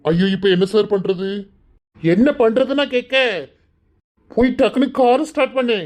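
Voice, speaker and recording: A man voicing a nervous male jewel thief in a cartoon, talking in a hurried rush with a Kanyakumari Tamil accent. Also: very high-pitched, a little mellow. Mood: panicky. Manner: hurried, anxious, rapid.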